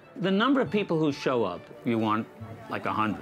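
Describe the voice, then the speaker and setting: Clear music plays in the background as a man speaks at a fairly quick pace. His fairly high pitch swings very widely. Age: 80s+. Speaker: amateur astronomer. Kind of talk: interview answer and street chat. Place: street.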